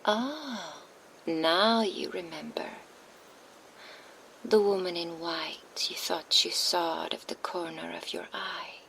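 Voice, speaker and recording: A woman voicing a cold, menacing female vampire enforcer in an ASMR roleplay, speaking in a soft, slow, taunting whisper into a binaural microphone. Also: fairly low pitch, creaky, slight background noise, full character voice, rough recording.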